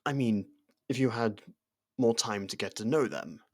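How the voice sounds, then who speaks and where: A man playing a loyal servant and close friend to royalty in an ASMR roleplay, hesitant, deferential and familiar, gently teasing. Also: medium pitch, moderate pace, natural voice. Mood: supportive, hesitant. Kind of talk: ASMR roleplay audio drama.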